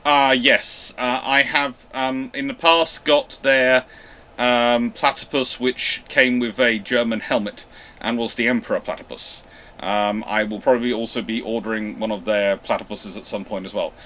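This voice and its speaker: This naval history channel host runs a live Q&A, reading viewer questions aloud and answering off the cuff. He speaks hesitantly, with frequent ums, fillers and restarts. His medium-pitched voice is steady, pushed and bright, at a moderate pace.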